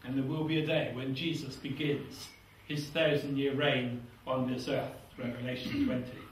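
Older British preacher in an echoey hall. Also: male voice, medium pitch, little pitch movement, moderate pace, slight background noise. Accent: British English. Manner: earnest, fervent, drops voice to a hush at phrase ends. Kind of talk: sermon with scripture reading. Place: small church hall with seated congregation. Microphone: lapel mic. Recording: echoey hall, somewhat far from mic.

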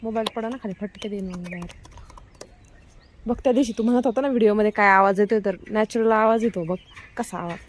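A woman's voice: mid-range voice, fast talker, slight background noise. A woman chatting casually while filming a vlog on her phone on a rooftop, exclaiming and teasingly scolding her son. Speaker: vlogger and mother. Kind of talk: casual outdoor vlog chat. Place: outdoors on a house rooftop in the rain. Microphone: phone held in her hand.

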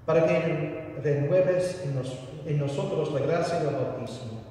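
Priest praying in a cathedral-like echo. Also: male voice, on the high side, dark tone. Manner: formal, measured reading with occasional stumbles. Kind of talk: solemn liturgical prayer recitation. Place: large church interior. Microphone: distant camera recording. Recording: cathedral-like echo, distant mic, noisy room.

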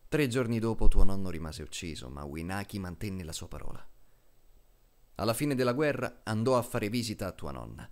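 Man acting a solemn, low-voiced military officer. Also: very animated. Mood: solemn, measured. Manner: measured, deliberate, with dramatic pauses. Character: solemn middle-aged male military officer addressing a child. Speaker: voice actor dubbing a film character. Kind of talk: dramatic film monologue, Italian dub.

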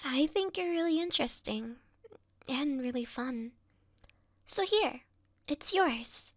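A woman playing a sweet, clingy young yandere video game girl in a soft, coy, cutesy ASMR roleplay style. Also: high voice, animated, slow pace, dry recording, clean studio sound. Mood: coy, affectionate.

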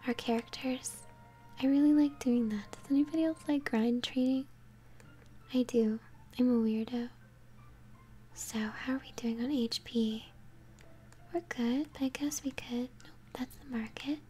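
A young woman giving gentle, chatty game commentary in a soft, breathy ASMR whisper. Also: a little high. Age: young adult. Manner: gentle, chatty, unhurried narration of play. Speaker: game streamer, host. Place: small home room, indoors. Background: game music.

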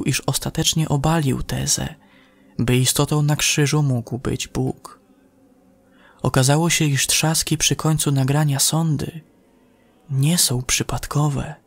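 A man narrating a scripted sci-fi horror audio story in a solemn, measured way. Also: medium pitch, steady tone, slightly rough. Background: music behind the voice.

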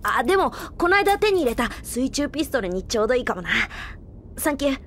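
Brash, animated boy gunfighter. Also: sits high, fast talker, slight background noise. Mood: friendly, casual. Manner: rough boyish slangy speech. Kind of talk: Japanese anime-style audio drama acting.

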